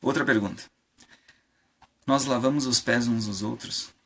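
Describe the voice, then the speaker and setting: A man's voice: mid-range voice, unhurried, fairly bright tone. A man preaching an informal sermon on a live stream, conversational, with many fillers and rhetorical questions.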